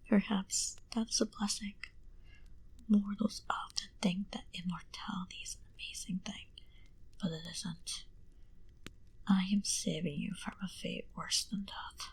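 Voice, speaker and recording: A woman voicing a proud, menacing vampire in a whispered ASMR roleplay, speaking deliberately and condescendingly into a close binaural mic. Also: mid-range voice, fairly even intonation, full character voice, poor audio. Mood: cool, menacing. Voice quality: breathy, hushed whisper. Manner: slow, deliberate, coolly condescending to the listener. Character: proud, menacing female vampire recounting her past. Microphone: close binaural microphone.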